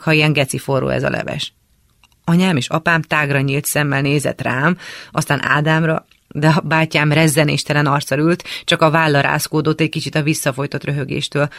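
A woman reads a first-person memoir aloud in a calm, measured way. Her voice carries a gravelly, creaky edge. The sound is dry and close, with no room around it. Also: sits low, no room sound. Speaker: reader.

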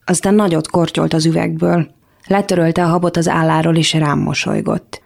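A woman reading a first-person novel excerpt aloud in a measured, calm storytelling manner. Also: low voice, vocal fry. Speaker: reader.

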